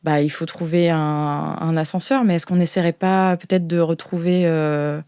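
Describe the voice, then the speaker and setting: A woman hosting as game master, narrating an improvised tabletop game in a playful, colloquial, halting way. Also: low-pitched, fairly even intonation, mellow, clear, resonant tone, no room sound, studio quality.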